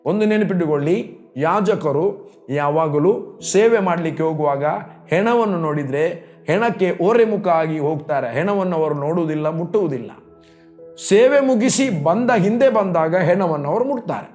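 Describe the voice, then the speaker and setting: A man's voice: fairly high pitch, expressive, moderate pace, a little mellow, soft background music. A man preaching a sermon as a pastor, telling a story and acting out quoted pleas.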